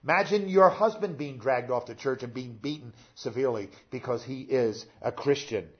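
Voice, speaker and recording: An older man, a pastor, preaching a sermon in a conversational way, pausing with "uh" and talking straight to his congregation. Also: medium pitch, highs cut off.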